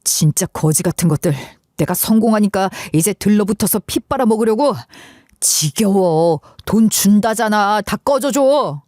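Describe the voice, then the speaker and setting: A woman's voice: medium pitch, expressive, a little fast, hardly any pauses, dark tone, no room sound, studio quality, close to an everyday voice. A woman voicing an arrogant, contemptuous young man in a dramatized story, with a sneering, dismissive drawl.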